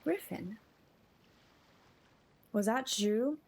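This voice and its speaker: A woman's voice: fairly high pitch, lively intonation, extremely slow, a little mellow, breathy edge. A woman livestreaming a game, chatting casually and gushing in a friendly way to her viewers. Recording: game music behind the voice.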